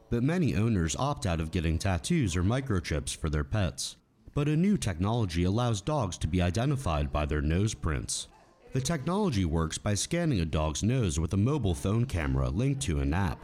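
A male news reporter reads his story in a crisp cadence. His voice is very deep, with a lively rise and fall. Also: moderate pace, faint music behind.

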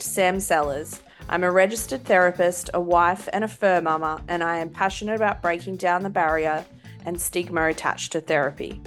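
Australian woman, podcast host, lowish voice, bubbly, faint music behind. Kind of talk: scripted intro then casual chat. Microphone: video call.

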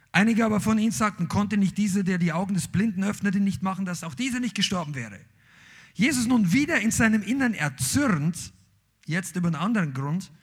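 This preacher's voice sits high with a breathy edge. After reading scripture aloud, he presses his point with emphatic outbursts that climb to shouts on the important lines.

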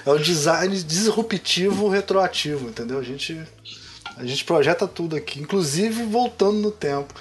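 A man's voice: fairly high pitch, lively intonation, normal speed. A man hosting a podcast, chatting casually and hesitantly, restarting his sentences often. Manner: hesitant, full of fillers and restarts. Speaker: podcast host.

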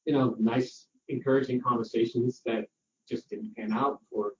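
A middle-aged Danish-accented parasitology researcher from Denmark tells a relaxed, chatty anecdote, acting out quoted dialogue and using frequent fillers. His medium-pitched voice is fairly even at a moderate pace. The recording is roomy, distant and muffled, with faint ambience and slight background noise.

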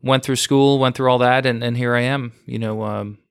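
Interview guest, man in his forties from New York, smooth, flat delivery, filler-heavy and unassuming. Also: medium pitch, moderate pace, no echo, studio quality. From United States, New York. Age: 40s. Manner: steady, modest storytelling with frequent fillers. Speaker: guest, former fighter pilot. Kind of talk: casual podcast interview.

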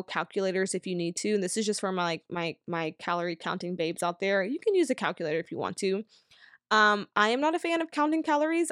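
A woman's voice: mid-range voice, dry recording, clean studio sound. A woman in her thirties hosting a solo podcast, chatty and upbeat, full of fillers like "like" and "um". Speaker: podcast host. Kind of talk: casual solo podcast advice.

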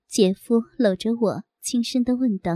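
Woman storyteller, higher mellow voice, intimate first-person reading. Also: moderate pace, no room sound, studio quality.

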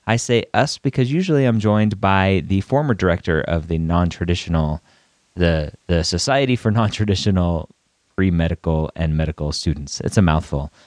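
Male podcast host, deep and nasal with a head cold, measured explainer, dry studio-close sound. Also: no room sound. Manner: measured, explanatory, with small restarts. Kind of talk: solo podcast talk.

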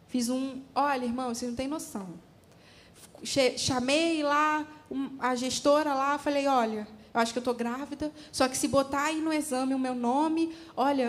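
High-voiced woman sharing a church testimony. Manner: emotional storytelling, acting out her own past words. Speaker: church speaker. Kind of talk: sermon testimony.

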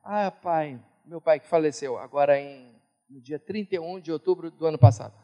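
Man preaching, from brazil, high, mellow voice, long hall reverb, emphatic, loud then hushed. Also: moderate pace, lo-fi sound. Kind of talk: sermon.

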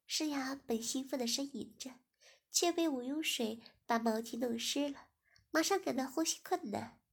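A woman narrating a first-person story in a low-key, even reading voice. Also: normal speed, creaky, husky. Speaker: story reader.

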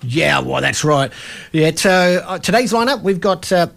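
A man's voice: fairly high pitch, lively intonation, a little slow, gravelly, a bit bright. A man hosting a casual community radio football show, rambling with lots of fillers and self-deprecating asides. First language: English.

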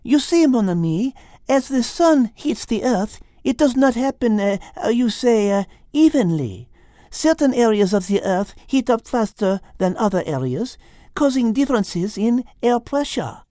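A man voicing a brilliant, gentle female cat with a French accent, patiently explaining in a children's animal story. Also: extremely high pitch, big pitch swings, unhurried, dry recording, studio quality, voice pushed up, heavily acted. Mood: patient, teaching.

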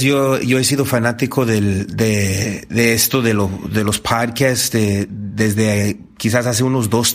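A man in his thirties from the United States, a podcast guest speaking hesitantly with many fillers. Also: lowish voice. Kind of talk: casual interview.

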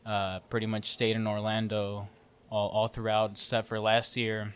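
A man in his thirties from Mexico, a real estate entrepreneur talking as a guest in a relaxed, plainspoken way and repeating words as he starts. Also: on the low side, moderate pace, smooth. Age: 30s. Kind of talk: casual interview.

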